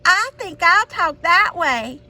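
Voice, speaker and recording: Woman doing a little duckling voice, high, sing-song, bright, wide-eyed, storybook. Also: lively intonation, takes it slowly, a little hiss or hum, heavily acted. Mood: admiring. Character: small eager young male duckling, admiring.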